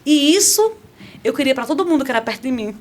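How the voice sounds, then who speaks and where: Middle-aged woman telling a lively testimony. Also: high voice, fast. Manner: animated storytelling with frequent restarts and asides to listeners. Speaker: podcast guest. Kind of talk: conversational faith testimony. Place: podcast studio.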